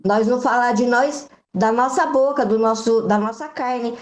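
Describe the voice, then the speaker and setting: A woman's voice: a little high, moderate pace, echoey room. A woman student with a Brazilian Portuguese accent, giving an earnest comment in a seminary class.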